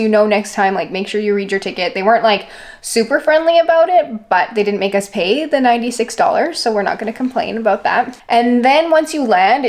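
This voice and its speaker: A woman talking casually to camera as a travel vlogger, in an informal, conversational way with "like" sprinkled through. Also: mid-range voice. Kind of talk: casual vlog chat to camera.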